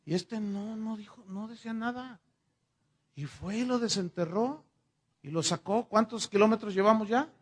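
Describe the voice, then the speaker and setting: A man's voice: high voice, moderate pace, breathy edge. A middle-aged man with a Mexican accent, preaching a sermon in a conversational way and acting out the dialogue in his stories. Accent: Mexican Spanish. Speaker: pastor. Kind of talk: sermon with personal storytelling.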